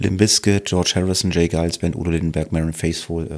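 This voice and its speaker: The man's pitch is very deep and low. He talks at a fairly quick pace. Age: 50s. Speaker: podcast host, paramedic. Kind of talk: casual chat.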